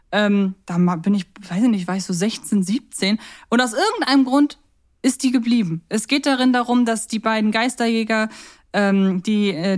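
A woman co-hosting a podcast in casual, unscripted and rambling chat. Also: a little high. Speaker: podcast co-host.

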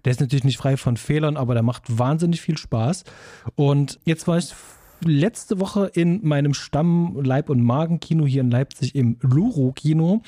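A man's voice: fairly high pitch, normal speed, mellow, no room sound, clean studio sound. A man in his forties co-hosting a casual film podcast, chatting with lots of filler sounds. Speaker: podcast co-host.

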